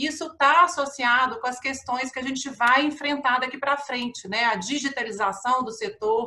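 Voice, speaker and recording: Her raised, projected voice is high in pitch, and the woman keeps a moderate pace with ordinary pitch variation. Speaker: energy sector lawyer. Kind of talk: panel debate speech.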